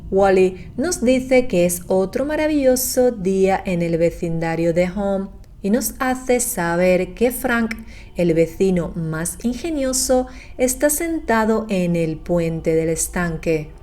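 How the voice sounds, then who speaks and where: Slow, mellow female narrator. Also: medium pitch, lively intonation. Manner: measured, explanatory. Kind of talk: scripted horror recap narration.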